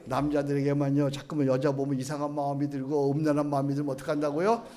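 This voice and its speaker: Korean pastor leading call-and-response prayer. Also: male voice, fairly high pitch, little pitch movement, fast talker. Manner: swings between hushed lines and loud chanted prayer. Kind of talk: sermon.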